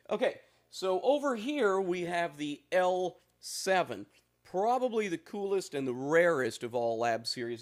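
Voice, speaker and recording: A man hosting a casual guitar amp demo, talking in a playful, folksy way from the floor of a room full of amps. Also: on the high side. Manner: folksy, playful, drawling asides. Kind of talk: casual joking gear demo. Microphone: instrument mics on amps, voice faint.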